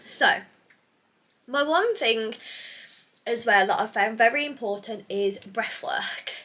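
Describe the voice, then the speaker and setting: A woman's voice: a little high, slow, a bit bright, husky. A young woman vlogging in a casual, rambling chat to the camera, sounding a little stuffy from a cold. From United Kingdom. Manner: chatty and rambling, sidetracks mid-thought. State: congested from hay fever or a cold.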